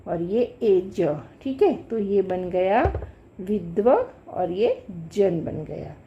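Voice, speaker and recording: A woman's voice: medium pitch, mellow, a little hiss or hum. A woman teaching a grammar lesson, explaining step by step and checking in often with "thik hai". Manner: patient, repetitive explaining with frequent "thik hai". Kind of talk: classroom lesson at a board. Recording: dull lo-fi sound.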